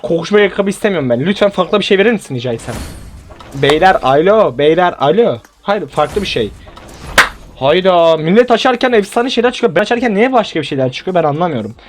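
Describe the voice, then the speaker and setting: Excitable young man with a high voice. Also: a little fast, slight background noise. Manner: animated, pleading and exclaiming at the game. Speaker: gaming YouTuber. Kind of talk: casual gameplay commentary.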